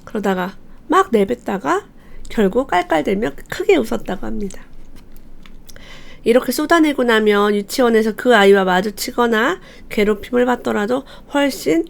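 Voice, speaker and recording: A woman hosting a book channel, reading passages from a parenting book aloud and commenting on them, telling the anecdotes in a lively way. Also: fairly high pitch, normal speed, gravelly. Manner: lively storyteller who acts out quoted lines.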